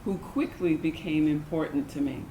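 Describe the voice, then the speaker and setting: Woman acting young lesbian telling her story onstage, candid, slow, echoey with a bit of noise. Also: low voice, close to an everyday voice. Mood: wistful, candid. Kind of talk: dramatic monologue in a staged reading. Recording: echoey room, faint background noise.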